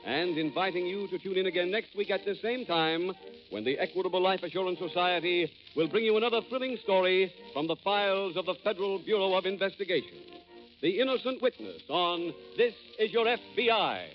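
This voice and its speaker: A man's voice: sits high, a little fast. A man making the program announcements and sponsor messages in 1940s radio style, heard from an old broadcast disc recording. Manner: emphatic, lively announcer delivery. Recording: dull old broadcast transcription. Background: music.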